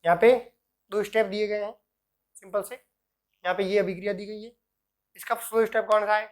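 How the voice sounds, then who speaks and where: A male chemistry teacher working through examples, asking himself questions and answering them, and dictating formulas slowly piece by piece. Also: high voice, flat delivery. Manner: answers own questions, repeats "ठीक है" often. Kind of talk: explaining worked examples at a board.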